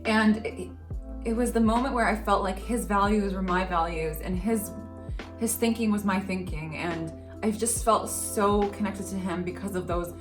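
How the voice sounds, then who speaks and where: A woman's voice: mid-range voice, moderate pace, far from the mic. A young woman hosting her channel, chatting casually about how she met her partner, with lots of fillers and laughter. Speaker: channel host. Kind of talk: casual couple chat. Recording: roomy echo, faint music.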